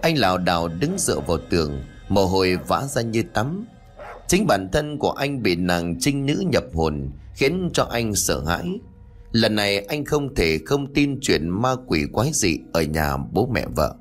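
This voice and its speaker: Low-voiced man telling a ghost story. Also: sing-song, measured pace. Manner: dramatic storytelling. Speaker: narrator. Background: faint music.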